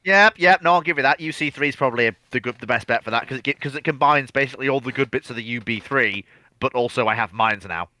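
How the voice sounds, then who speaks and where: A man's voice: medium pitch, fast talker, pushed and bright, dry recording. A man co-hosting a discussion in a casual, chatty way. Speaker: co-host discussing viewer questions. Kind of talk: casual chat.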